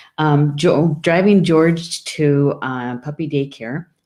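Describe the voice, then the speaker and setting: With an American accent, a woman speaks at a very slow pace in a very deep, low pitch with fairly even intonation. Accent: Wisconsin accent, others say so. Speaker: spiritual live stream host. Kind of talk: casual live stream chat. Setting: live stream. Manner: hesitant, many fillers.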